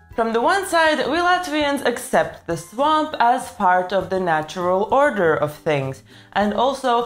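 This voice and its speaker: A woman with a high pitch speaks at a fairly slow pace. Faint music sits in the background. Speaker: language educator. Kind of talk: educational vlog talk. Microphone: lapel.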